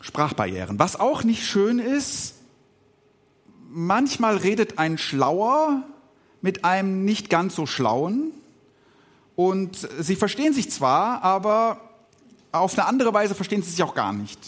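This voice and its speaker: A middle-aged man who grew up speaking Swiss German, giving a podcast sermon as a pastor. His voice sits a little high for a man and rises and falls a great deal. He talks reflectively, pausing often and filling gaps with soft hesitation sounds. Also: sing-song. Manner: reflective, with pauses and filler sounds.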